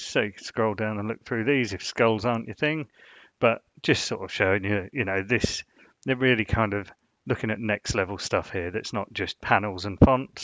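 A man with a lowish, slightly bright voice hosts a casual screen-share design tutorial for his channel, rambling along and plugging gaps with "you know." The sound is dull, dry and lo-fi, with no echo.

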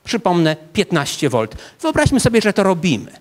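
A man's voice: sits high, wildly swooping pitch, brisk, a little mellow. A man in his fifties, a psychology professor, giving a public lecture to a seated audience and talking them through a scene as a vivid story, with frequent hesitation fillers, on a handheld microphone in an ornate hall.

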